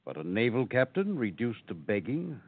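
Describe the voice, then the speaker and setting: An actor playing a patient, kindly priest who coaxes a stranger to speak, in the style of old-time radio drama. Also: male voice, medium pitch, very animated, moderate pace, slightly rough, no echo. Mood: gentle. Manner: gentle, coaxing, concerned. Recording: dry, tinny lo-fi recording.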